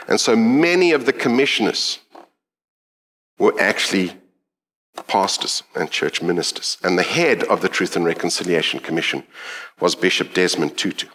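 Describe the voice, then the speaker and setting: A middle-aged man with a South African accent delivers a sermon. He speaks earnestly and reflectively, pausing to think. His pitch swings widely across phrases. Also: lively intonation, a bit bright. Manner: reflective, earnest, with thoughtful pauses. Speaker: preacher.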